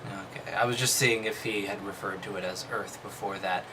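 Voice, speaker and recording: A man's voice: fairly low pitch, fairly even intonation, a little fast, background noise. A man reading a text aloud and commenting casually, with dry, skeptical, dismissive asides. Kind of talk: casual commentary between read-aloud passages.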